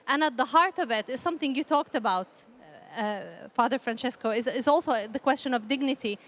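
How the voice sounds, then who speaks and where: A woman from Palestine giving earnest, measured panel remarks in a formal style, often repeating phrases for emphasis. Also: high voice. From Palestinian, grew up in a conflict country. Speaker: panel speaker, peace initiative representative.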